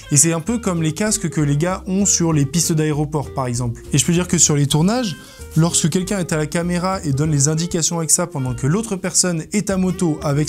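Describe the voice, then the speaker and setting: A man's voice: a little high, darkish tone. A man giving a casual product review to camera as a presenter, informal, playful and self-mocking in his delivery. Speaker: presenter of a motorcycle gear video.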